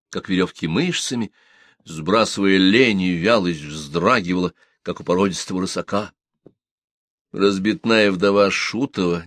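A man narrating an audiobook with expressive storytelling in a dry, close recording. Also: deep voice, dry recording. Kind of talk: audiobook reading.

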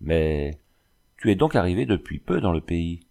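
A man reading the part of a stern, dignified tribal chief in an audiobook, speaking slowly and with disdain. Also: deep voice, sing-song, creaky, warm tone, full character voice. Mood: solemn. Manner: slow, disdainful.

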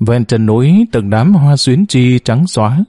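A man narrates a short story in an expressive, well-paced reading. His pitch moves widely, which gives the telling a lively feel, and his tone is dark and mellow. The sound is dry and close-miked. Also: a little slow, no room sound.

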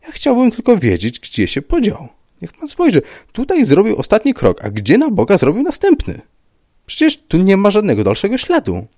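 A man's voice: high voice, huge pitch swings, measured pace, few pauses, a little mellow, no room sound, voice pushed up, full character voice. A man voicing a nervous, trembling man who pleads and insists in an agitated, shaky way. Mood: anxious.

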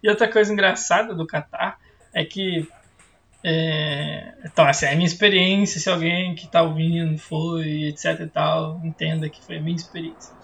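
A man's voice: on the high side, steady tone, normal speed, creaky, a bit bright. Laid-back Brazilian man telling a story. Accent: Brazilian Portuguese. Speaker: podcast co-host. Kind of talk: casual chat over a video call.

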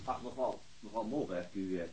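An actor playing a polite, probing police detective with a hesitant way of questioning, in a radio drama. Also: male voice, fairly low pitch, a little fast, noisy background, natural voice. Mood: tactful, hesitant. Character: persistent, polite police detective on a murder case. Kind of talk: Dutch radio drama dialogue.

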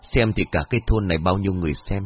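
A man's voice: sits low, fast, close to an everyday voice. A man voicing a fussy, practical older village mother who scolds her son. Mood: puzzled. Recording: dull lo-fi audio with faint music.

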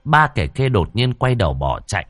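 A man tells a horror story. His delivery is dramatic and suspenseful, with wide swings in pitch. The sound is dry and close, with faint music underneath. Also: big pitch swings, moderate pace, fairly bright tone, no echo. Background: faint background music.

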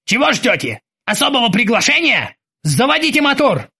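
A man's voice: high-pitched, very animated, measured pace, a bit bright, slightly rough, voice pushed up, heavily acted. A man voicing a bossy, ironic male sea captain who barks orders at his crew.

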